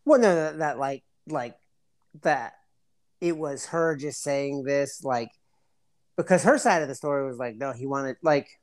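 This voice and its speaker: A man explaining things in casual podcast chat, halting, with slangy, profane frat-bro talk. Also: medium pitch.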